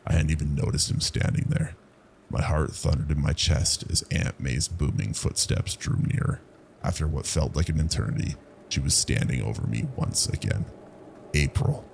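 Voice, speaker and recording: Very deep, gravelly man narrating horror, haunting. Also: normal speed, a little hiss or hum. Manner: low, haunting delivery. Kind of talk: dramatic scripted horror narration in the first person.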